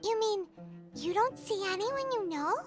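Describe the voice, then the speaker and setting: A tiny childlike fairy squeaks in an extremely high, swooping voice. She is an excitable, fretful game companion who exclaims and calls herself by name. Loud music plays behind her. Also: unhurried. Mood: questioning.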